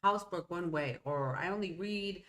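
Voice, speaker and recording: Speaking at a moderate pace with a lowish, fairly bright voice, a middle-aged native Spanish speaker delivers a solo motivational talk as a podcast host. Her accent is Hispanic American English, and her style is loose and conversational, broken up by frequent "okay?" and "right?" asides.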